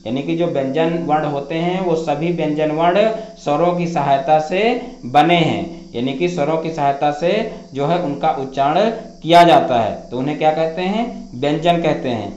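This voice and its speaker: Man, teacher, slightly high voice, repeats definitions, asks and answers own questions, roomy echo. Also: normal speed, few pauses, darkish tone, slight background noise. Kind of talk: classroom grammar lesson. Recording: echoey room, dull lo-fi sound.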